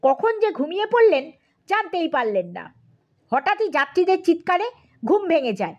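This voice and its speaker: A woman reading a story aloud as an expressive audiobook narrator, theatrical in her delivery. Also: extremely high pitch, moderate pace, dull audio. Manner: theatrical, acts out dialogue.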